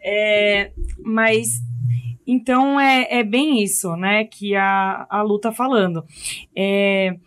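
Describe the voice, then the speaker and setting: A woman's voice: mid-range voice, fairly even intonation, takes it slowly, fairly bright tone, smooth. A middle-aged Brazilian woman, a mother, talking thoughtfully and hesitantly in a casual podcast chat. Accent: Brazilian Portuguese. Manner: thoughtful, hesitant, many fillers. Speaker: podcast guest.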